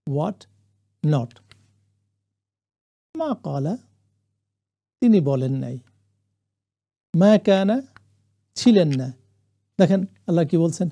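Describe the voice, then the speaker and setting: A man teaching the meaning of Quranic Arabic words, reciting phrases slowly for listeners to repeat and adding English glosses. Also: high-pitched, dark tone. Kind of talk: classroom lesson on Quranic Arabic.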